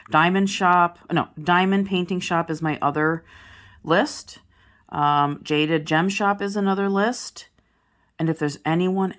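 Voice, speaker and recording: A woman in her forties with a low-pitched voice chats casually to her audience as a crafting vlogger. She rambles from one thing to the next, full of fillers and self-corrections. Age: 40s. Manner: rambling, many fillers and restarts. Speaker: diamond painting vlogger. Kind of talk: casual chat to viewers while crafting.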